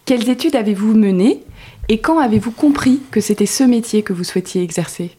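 A woman hosting a podcast, reading her introduction in a calm, measured way and then interviewing her guest. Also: fairly high pitch, husky. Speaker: podcast host. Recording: faint music behind.

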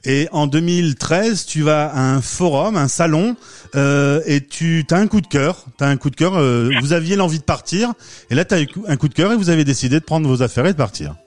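Animateur français taquin. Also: male voice, a little high, a little fast, no room sound. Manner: playful, teasing. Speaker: podcast host. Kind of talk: podcast interview.

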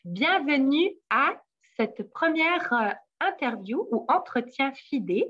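A woman's voice: high voice, very animated, slow, fairly bright tone, lo-fi sound. A woman hosting an interview, welcoming and encouraging her guest. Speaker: host, company head.

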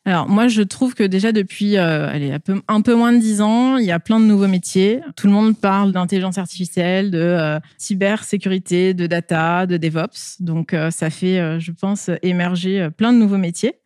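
A woman answers interview questions conversationally through a face mask, halting often with filled pauses. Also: mid-range voice, a little mellow, dry recording, studio quality. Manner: hesitant, halting delivery with frequent filled pauses. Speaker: interview guest, school staff working with companies and alumni.

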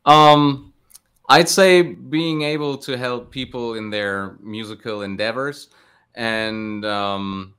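A man speaks as an interview guest in a smooth, bright voice. He phrases his answers casually and thoughtfully, often hesitating as he goes. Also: mid-range voice, fairly even intonation, slow. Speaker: interview guest, guitar teacher.

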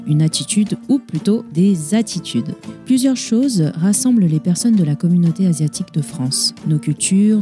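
A woman podcast host reading a scripted, measured introduction. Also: fairly low pitch. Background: soft guitar music.

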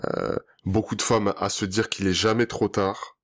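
A man's voice: fairly low pitch, steady tone, normal speed. A man hosting a coaching podcast, encouraging and affirming his guest and audience. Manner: encouraging and affirming, many back-channel hums. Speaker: relationship coach and podcast host. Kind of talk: podcast interview and outro.

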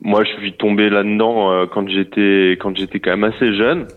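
A man in his thirties talks over a muffled phone line, his voice sitting fairly low. He hesitates a lot and restarts his sentences as he talks about running a wine estate. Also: fairly even intonation, normal speed. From Normandy, France. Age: 30s. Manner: hesitant, many fillers and restarts. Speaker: winery general manager. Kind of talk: phone interview. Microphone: telephone.

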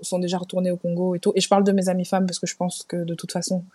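A woman's voice: on the low side, flat delivery, racing, warm tone, slightly rough. A young woman, a guest on a podcast, talking in a reflective way and searching for her words. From Belgium. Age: young adult. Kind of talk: casual podcast conversation.

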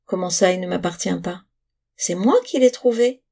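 A woman's voice: lowish voice, normal speed, gravelly, mellow. A woman voicing an earnest, stubborn poor boy who pleads and insists, in a storybook reading. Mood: insistent.

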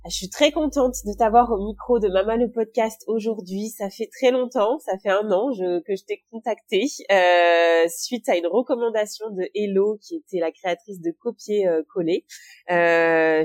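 A woman's voice: medium pitch, moderate pace, a little mellow. A woman in her thirties hosting a podcast interview, asking questions in a chatty way with fillers. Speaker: podcast host. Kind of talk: casual conversational interview.

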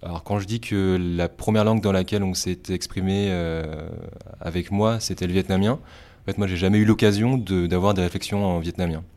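A man with a very deep voice weighs his words, pausing often to choose them. He speaks in a measured, deliberate way. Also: fairly even intonation, a little mellow. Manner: measured, deliberate, many pauses. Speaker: interviewee. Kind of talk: reflective explanation.

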